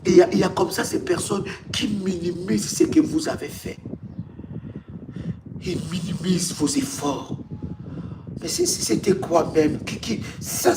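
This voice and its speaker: A man's voice: high voice, creaky. A man preaches as a pastor on a live stream. His delivery is emphatic and repetitive, often stumbling into restarts as he drives a point home. Faint noise sits behind him. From Congo. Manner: emphatic and repetitive, with rhetorical questions and stammered restarts. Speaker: pastor, ministry leader.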